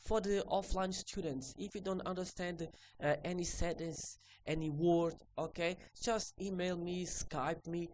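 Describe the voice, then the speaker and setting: Woman teaching in halting non-native English. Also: on the low side, fairly even intonation, a little mellow, slight background noise, poor audio. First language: Portuguese. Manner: halting, tags sentences with "okay?". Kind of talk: recorded online lesson.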